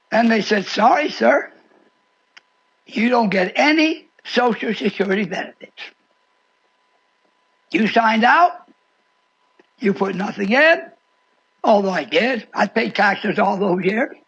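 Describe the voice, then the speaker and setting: Elderly male preacher in his 80s, very high husky voice, theatrical folksy delivery, muffled lo-fi radio sound. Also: fairly bright tone. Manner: theatrical, acts out dialogue, repeats phrases for emphasis. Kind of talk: folksy storytelling sermon. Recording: dull lo-fi shortwave radio sound.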